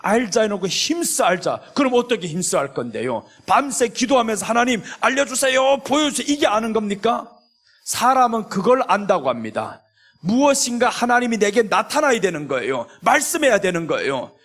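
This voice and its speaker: High-voiced preaching pastor, emphatic. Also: male voice, very animated, normal speed. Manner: preaches emphatically, acts out prayers in raised pleading tones; drops to a soft, low voice for reflective asides. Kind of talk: sermon. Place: church.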